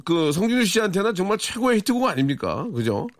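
A middle-aged man hosting a radio show, talking casually and teasing his guest with many quick "yes, yes" replies. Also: high voice, big pitch swings, no room sound, clean studio sound. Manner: playful, teasing, lots of short "ye, ye" backchannels.

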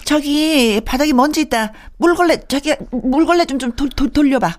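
A woman's voice: sits high, normal speed, voice pushed up, close to an everyday voice. A woman voicing a fussy, neat-freak wife who scolds her husband about dust in a radio skit. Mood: nagging. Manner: scolding, exasperated.

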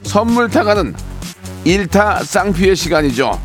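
Male radio DJ, high and animated, hamming up mock anger; dry studio sound with faint music bed. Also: a little slow. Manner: playful, mock-angry outbursts reading listener stories. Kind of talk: live radio show hosting.

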